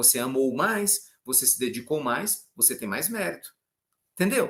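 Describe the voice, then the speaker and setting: Speaking with a Brazilian accent, a man at medium pitch makes very wide pitch swings. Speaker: spiritist teacher and financial coach. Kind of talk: religious study lecture. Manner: fast; animated.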